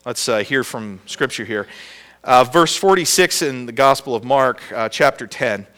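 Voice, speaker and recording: A man's voice: medium pitch, normal speed. A male pastor preaching a sermon and praying, often asking the congregation questions and restarting his phrases with frequent "uh" fillers. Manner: animated, asks the congregation questions; hesitant restarts with many "uh" fillers. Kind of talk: sermon with prayer and Bible reading.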